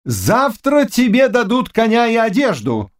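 A man's voice: extremely high pitch, wildly swooping pitch, a little slow, pitched above the performer's own voice, full character voice. A man voicing a commanding, fiery king who declaims with passion. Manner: impassioned, declaiming outbursts.

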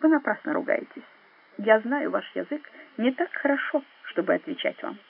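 A composed, cold-blooded secret agent, played by a woman reader, speaks quietly, in measured and mocking words. The voice sounds husky and breathy. The audio is narrow and phone-like, and it plays as an audiobook. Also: sits high, expressive, full character voice. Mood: cool.

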